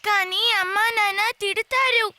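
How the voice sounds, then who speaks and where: A performer voicing an excitable, caring little child in a cartoon, with a squeaky, expressive delivery. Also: a little slow, a little hiss or hum, heavily acted. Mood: uneasy. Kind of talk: cartoon character dialogue.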